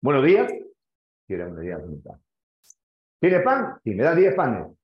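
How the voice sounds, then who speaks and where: A man with a Peruvian accent voicing a bitter, fussy older woman with a mannish voice who shouts her complaints. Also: mid-range voice, huge pitch swings, moderate pace, echoey room, highs cut off. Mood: indignant. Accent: Peruvian Spanish.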